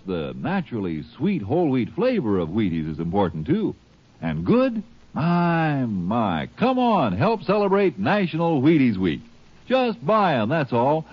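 Very animated male vintage radio pitchman. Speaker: commercial announcer. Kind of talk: 1950s radio advertising pitch, folksy and enthusiastic. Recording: dull vintage radio recording.

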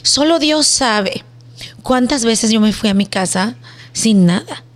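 A woman tells her story in an interview, animated and acting out the dialogue she quotes. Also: on the high side, slow. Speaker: business owner guest.

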